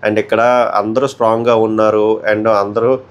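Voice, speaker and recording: A man's voice: fairly low pitch, little pitch movement, moderate pace. A man with a Telugu accent giving casual, opinionated commentary on a reality show, often talking straight to the contestants.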